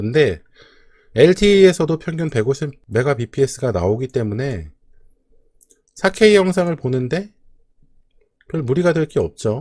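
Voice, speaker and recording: In a very clean recording with a silent background, a man speaks in a somewhat breathy voice with very wide pitch swings and long, frequent pauses. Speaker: tech explainer YouTuber. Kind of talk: casual explainer talk to camera.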